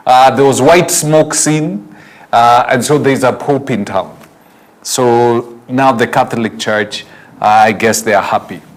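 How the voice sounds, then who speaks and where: A middle-aged man with a Kenyan accent, giving a preachy closing commentary as talk show host. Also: mid-range voice. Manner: animated, laughs often, preachy.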